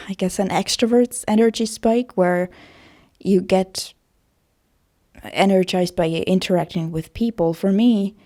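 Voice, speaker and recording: Creaky-voiced woman chatting casually. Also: mid-range voice, mellow. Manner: introverted, hesitant, self-conscious rambling. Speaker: voice actor vlogger. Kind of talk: casual personal vlog chat.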